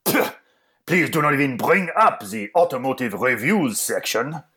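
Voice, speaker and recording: A man playing a pompous, disgruntled talk radio host, in a radio comedy sketch, with a lively, swooping delivery. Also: mid-range voice, moderate pace. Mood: indignant. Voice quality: pompous, indignant.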